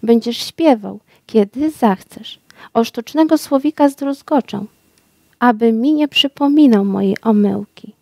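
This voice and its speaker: A woman's voice: fairly high pitch, measured pace, creaky, mellow, no room sound. A woman voicing an old, recovering emperor in a storybook reading, speaking earnestly and with fervour. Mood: grateful. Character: old sick emperor, grateful and majestic.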